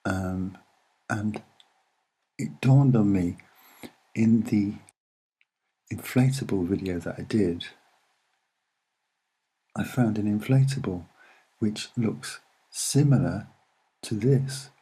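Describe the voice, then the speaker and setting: A soft-spoken man with a husky voice, giving a casual, musing and hesitant commentary as he explains what he sees. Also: lowish voice, slow, pauses often. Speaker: video narrator.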